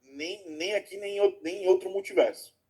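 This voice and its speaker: A man's voice: sits high, wildly swooping pitch, moderate pace, creaky, a little mellow, husky. A man teaching an online class, explaining step by step, checking in with students often and calling them affectionate names. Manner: explains with frequent check-in questions; affectionate, calls students "my loves". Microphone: video call.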